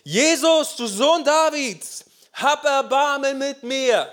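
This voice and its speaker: A man's voice: very high-pitched, slow, pitched above the performer's own voice, exaggerated voice. A preacher voicing a blind male beggar who cries out desperately for mercy. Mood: desperate pleading. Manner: pleading, shouting.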